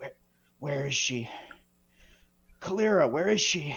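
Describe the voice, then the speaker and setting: A put-on character voice from a man, pitched high and delivered at a moderate pace. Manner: yelling, desperate.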